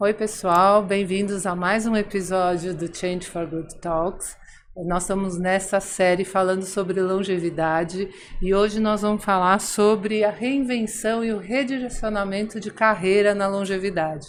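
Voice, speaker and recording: Speaking in a normal speaking voice, a woman uses a medium pitch, fairly even intonation and a fairly slow pace. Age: 60s. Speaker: podcast host. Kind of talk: casual chat.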